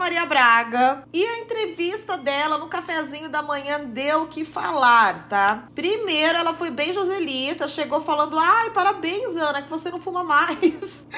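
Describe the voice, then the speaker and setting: In a raised, projected voice of extremely high pitch, a woman talks at a fairly slow pace with lively intonation and an animated tone. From Brazil (born in Portugal, moved at about 7). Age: 30s. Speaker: podcast host. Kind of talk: casual solo podcast monologue.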